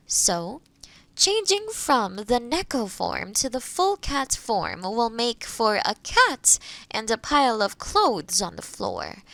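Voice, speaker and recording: A woman playing a kind forest witch in a roleplay audio drama, explaining things gently and thoughtfully to the listener. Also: a little high, creaky, dry recording, heavily acted. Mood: careful explaining.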